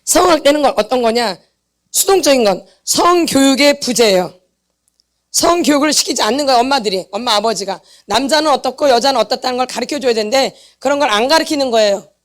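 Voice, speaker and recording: A woman with a high voice preaches at a church seminar. She repeats each point with force and throws short questions back to the congregation, then answers them herself. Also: lively intonation, fast talker. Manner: emphatic, repeats points and quizzes the audience for answers. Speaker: pastor's wife teaching a healing seminar. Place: church meeting hall.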